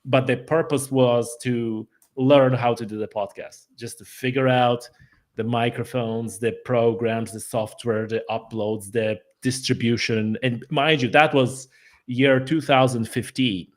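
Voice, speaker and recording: A man with a Polish accent, speaking English as his second language. His voice sits in a middle pitch, and he talks casually with many fillers and self-corrections. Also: fairly even intonation, unhurried. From Poland. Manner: chatty, with frequent fillers and restarts. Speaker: podcast guest. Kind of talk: casual interview conversation.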